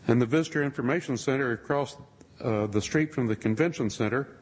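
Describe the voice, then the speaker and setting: A man giving a sermon-style talk to a congregation, with dry, wry asides and a husky voice. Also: mid-range voice, a little hiss or hum. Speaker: speaker addressing a congregation. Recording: long reverb of a large hall.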